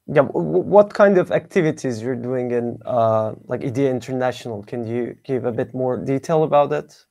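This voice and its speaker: Turkish-accented guy hosting an interview, average pitch, kinda halting, hunting for words. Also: gravelly, dark tone. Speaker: interviewer, programme host. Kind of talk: interview questions.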